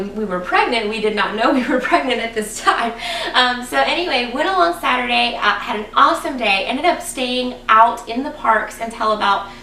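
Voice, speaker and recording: A woman vlogging casually to her viewers, chatty and excited, a little raspy and congested from a cold. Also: a little high, far from the mic, slight background noise. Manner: chatty, excited, lots of ums. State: congested, getting over a cold. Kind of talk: casual vlog talking to viewers. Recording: echoey room, voice a bit off-mic.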